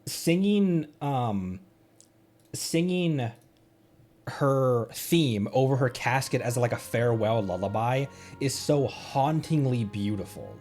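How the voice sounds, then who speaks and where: Musing male streamer, lively pitch. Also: faint music behind. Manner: musing, halting, repeats and restarts phrases. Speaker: livestream host, VTuber. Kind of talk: casual game stream commentary.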